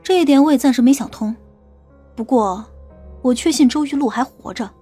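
A woman plays a stern female police squad leader in an audiobook drama. Her voice is high, and she speaks in a commanding, sharp-tongued, scolding way. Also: fairly quick, breathy edge, soft background music. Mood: assured. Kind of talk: acted audiobook dialogue.

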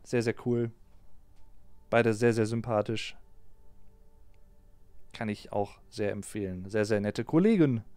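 Smooth-voiced man chatting on a live stream. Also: lowish voice, slow pace, long pauses, no room sound, faint music behind. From Germany. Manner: relaxed, chatty, reads out viewer comments. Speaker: streamer reading and answering live chat. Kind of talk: casual live-stream chat. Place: small home streaming room. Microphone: close desk mic on a boom arm.

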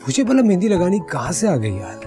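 An actor playing a teasing, affectionate young groom in a TV drama. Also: male voice, high-pitched, wildly swooping pitch, fairly quick, over music. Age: young adult. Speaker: engineer groom. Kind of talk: TV drama acting.

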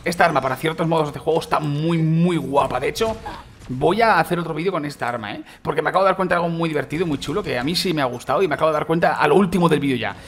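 Man, young adult, rapid casual gaming chatter, rambling, faint hiss behind. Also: on the high side, fairly bright tone. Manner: rambling, repeats himself, addresses viewers as chicos. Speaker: gaming YouTuber. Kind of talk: casual gameplay commentary.

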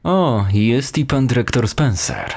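A man's voice: mid-range voice, animated, slow pace, darkish tone, slight background noise. A man voicing an unfriendly, formal, needling police detective in an audio horror story. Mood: cool, formal.

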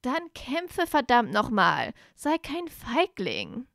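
A woman's voice: on the high side, a little slow, no room sound, studio quality. A woman reading aloud voices a loyal, hot-headed young male wizard who presses his friend urgently. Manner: urgent, pushy.

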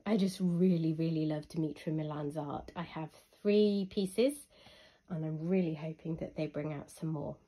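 A young woman with a husky voice from illness, giving a chatty, unhurried review with frequent ums. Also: deep voice, steady tone, mellow. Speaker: hobby reviewer. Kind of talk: casual product review voice-over.

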